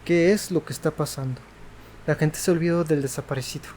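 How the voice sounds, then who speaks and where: A man's voice: on the high side, quick pace, darkish tone, slight background noise. A man with a Mexican accent doing casual playthrough commentary and reading game dialogue aloud.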